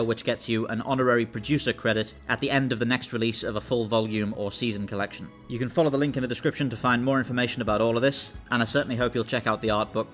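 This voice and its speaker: A man's voice: lowish voice, a bit bright. Guy doing a casual update for fans of his show, bit of music behind him. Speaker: show creator giving an announcement. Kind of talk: informal promotional announcement to fans.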